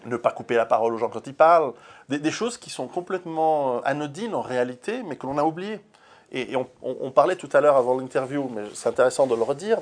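A man, an author, answering interview questions in an earnest, forthright way, with many fillers and repeated words. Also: medium pitch.

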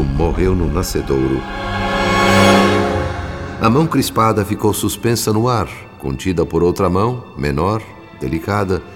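A Brazilian man delivers scripted, dramatic narration for a radio soap opera. His voice is deep and carries a long reverb. Music plays underneath.

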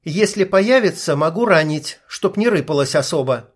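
A man's voice: a little high, animated, moderate pace, pitched above the performer's own voice. A male reader voicing a tough young female sniper who talks in blunt, clipped lines and swears. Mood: impatient.

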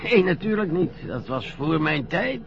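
A frail old ex-sailor grumbles and hesitates in a gravelly, rough-edged voice pitched a little high for a man. The radio play has a dull, lo-fi sound. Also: big pitch swings, measured pace, full character voice. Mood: grumbling. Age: older. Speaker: elderly former sailor being bathed.

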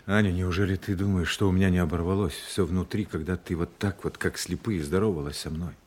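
An actor playing a guarded secret agent, tender but bitter, with an intense, deliberate delivery in a Russian audio play. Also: male voice, low-pitched, steady tone, a little mellow. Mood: wounded, passionate. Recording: music under the voice.

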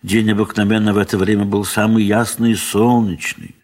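A man narrating a literary audio play in an expressive, measured theatrical manner with deliberate pauses. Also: lowish voice. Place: recording studio.

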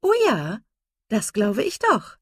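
A woman's voice: mid-range voice, wildly swooping pitch, slow, slightly rough, dry recording, clean studio sound, voice pushed up, exaggerated voice. A woman playing a gushing, falsely sweet young lady. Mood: sly.

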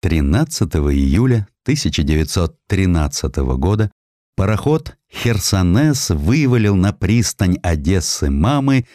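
Deep-voiced man narrating a historical story. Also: sing-song, measured pace, warm tone, no room sound, clean studio sound. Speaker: audiobook narrator.

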